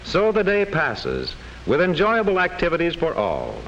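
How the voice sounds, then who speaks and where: A man narrates an old educational film with very animated, swooping intonation. His voice is a little high and carefully enunciated, over the faint hiss of an old soundtrack. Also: moderate pace, poor audio. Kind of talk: scripted classroom film narration.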